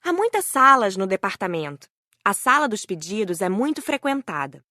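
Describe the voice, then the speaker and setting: A woman's voice: mid-range voice, big pitch swings, normal speed, bright, forceful tone, no room sound, clean studio sound. A woman reading scripted first-person narration as an audiobook narrator.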